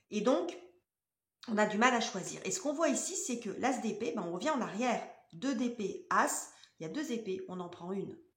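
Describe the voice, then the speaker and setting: Audible room echo surrounds a woman speaking at a moderate pace. Her pitch swings very widely. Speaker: tarot reader. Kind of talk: tarot reading monologue. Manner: halting.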